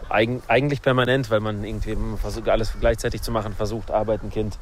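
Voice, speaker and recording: Low-voiced father musing outdoors. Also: fast talker, a little hiss or hum. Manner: thoughtful, rambling, relaxed. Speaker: father and author, interviewee. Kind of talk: street interview.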